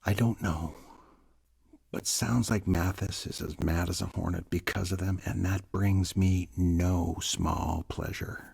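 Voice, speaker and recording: Weary, grave prison warden for a game, older, low gravelly voice, ominous delivery. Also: male voice, steady tone, a little slow, darkish tone, full character voice. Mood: weary, confiding. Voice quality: gravelly, husky. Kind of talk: dramatic game cutscene acting.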